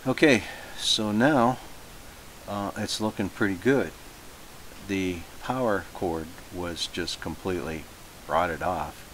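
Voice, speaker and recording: Deep-voiced man narrating over hiss. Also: poor audio. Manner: halting, thinking aloud with self-posed questions. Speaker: hobbyist narrating own repair video. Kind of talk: casual how-to narration. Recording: hissy home recording, steady noise.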